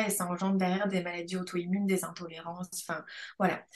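Noticeable background noise behind a woman talking at a medium pitch. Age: 30s. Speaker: dietitian. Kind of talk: casual chat.

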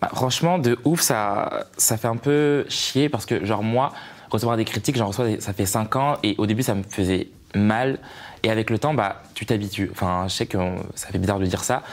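A man with an ordinary speaking voice talks at a moderate pace, his fairly low pitch showing ordinary pitch variation. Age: 20s. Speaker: family vlogger. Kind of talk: casual interview.

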